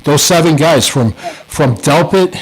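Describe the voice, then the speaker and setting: A man's voice: a little high, slow pace, poor audio. A middle-aged man co-hosting a casual sports podcast, telling stories in a heated, profane way. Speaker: podcast co-host.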